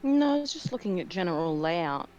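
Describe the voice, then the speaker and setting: A woman's voice: lowish voice, big pitch swings, brisk, a little mellow, muffled recording, faint music behind. A woman talking casually as a player in a tabletop roleplaying game.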